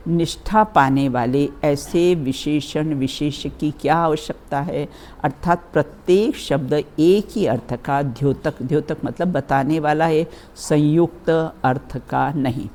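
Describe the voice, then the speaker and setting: Slow-paced woman teaching scripture. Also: low voice, darkish tone. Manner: slow, repeatedly checks with "है ना" and "बिल्कुल"; addresses listeners as children, gives everyday examples. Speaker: religious teacher. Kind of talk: reading and explaining a scripture text.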